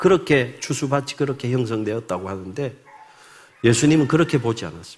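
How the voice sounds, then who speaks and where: This man has a normal speaking voice at a medium pitch. He talks at a fairly quick pace with lively intonation. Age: 60s. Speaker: missionary preacher. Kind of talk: sermon. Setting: church.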